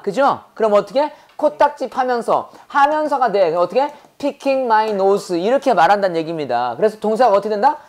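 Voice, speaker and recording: A woman with a Korean accent teaches an English grammar lesson. She fires short questions at her students one after another. She slows right down to drill English phrases for them to repeat. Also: fairly high pitch, a little mellow. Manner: quizzing students with rapid rhetorical questions. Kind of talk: classroom grammar lecture.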